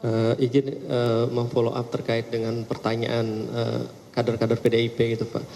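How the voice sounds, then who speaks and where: Gravelly, flat-voiced man reporter. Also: mid-range voice, normal speed, a little hiss or hum. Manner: hesitant, many fillers. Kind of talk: press question. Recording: echoey hall, faint ambience.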